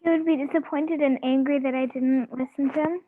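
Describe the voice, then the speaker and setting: A woman on a poor call connection, her voice high and pinched through tinny, phone-like audio. She answers in short, direct replies, and the line keeps thinning out. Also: steady tone, a little fast. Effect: thin, choppy voice over a bad call connection. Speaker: study group participant. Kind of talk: online group call.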